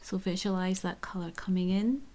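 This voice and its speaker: A woman guiding a chakra meditation in a soft, gentle whisper. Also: medium pitch, steady tone, moderate pace. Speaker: meditation guide.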